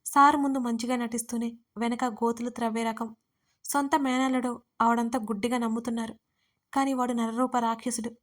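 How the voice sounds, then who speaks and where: A woman voicing a frightened, tearful young servant woman who pleads in a hushed, urgent way in an audio story. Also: a little high, level tone, fairly quick, natural voice. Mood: pleading.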